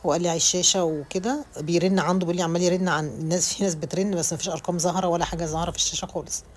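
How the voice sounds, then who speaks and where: A woman's voice: lowish voice, steady tone, very fast, slight background noise. A woman in her thirties with an Egyptian accent, chatting casually about cleaning her home in a rambling voice-over full of restarts. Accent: Egyptian Arabic. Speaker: home vlogger.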